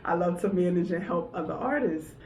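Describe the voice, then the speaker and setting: Relaxed New York woman, far from the mic. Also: lowish voice, brisk. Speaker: guest, artist manager and songwriter. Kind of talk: casual interview chat. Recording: echoey room, mic far off, background noise.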